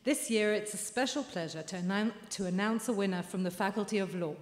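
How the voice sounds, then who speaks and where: A woman presenting an award, speaking in a formal, measured way into a podium microphone. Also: medium pitch. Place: large lecture hall. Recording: roomy hall with long reverb and faint noise.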